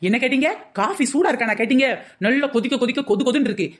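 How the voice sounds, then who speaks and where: A woman voicing a sharp-tongued housewife in a cartoon comedy, snapping back at her husband with sarcastic retorts. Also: high voice, racing.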